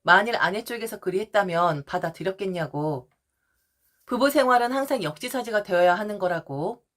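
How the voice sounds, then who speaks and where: A woman narrating a first-person family story in a confiding, expressive way. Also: medium pitch, fairly quick.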